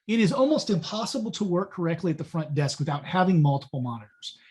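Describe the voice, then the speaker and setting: Male host, blunt and opinionated, slightly higher voice, rants to his listeners. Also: lively intonation, quick pace, a little mellow. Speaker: podcast host. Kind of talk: conversational business interview.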